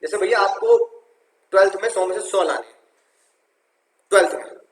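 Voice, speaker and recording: Animated high-voiced male teacher, echoey room. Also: normal speed. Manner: animated, playful, repeats phrases and calls students "munna". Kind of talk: energetic classroom lecture. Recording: roomy echo.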